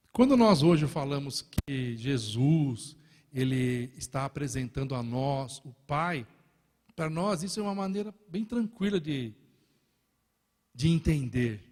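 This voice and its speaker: A Brazilian man with a Brazilian Portuguese accent preaches from the pulpit, his voice set somewhat high for a man. He tells stories with good humor and keeps turning to the congregation with quick asides. The sound carries the long, lingering reverb of a big church hall. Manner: lively, joking storytelling with repeated "irmãos" asides. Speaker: pastor. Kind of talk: sermon.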